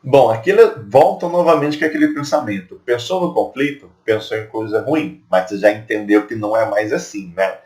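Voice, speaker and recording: A man's voice: lowish voice, brisk, hardly any pauses, a little mellow. A man with a Brazilian Portuguese accent teaching an exam-prep lesson in a chatty way, often checking in with rhetorical questions.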